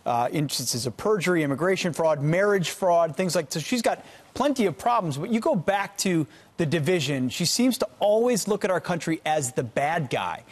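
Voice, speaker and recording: A man co-hosting a morning news show in a TV studio, asking brisk, conversational questions. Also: fairly high pitch, lively intonation. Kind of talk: news interview.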